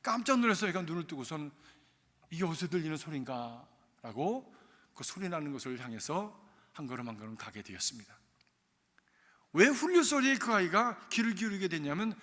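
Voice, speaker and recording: High, bright-voiced Korean pastor preaching. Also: male voice, big pitch swings, brisk, long reverb tail. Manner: emotive storytelling, shifting loudness. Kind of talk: storytelling sermon. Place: church sanctuary.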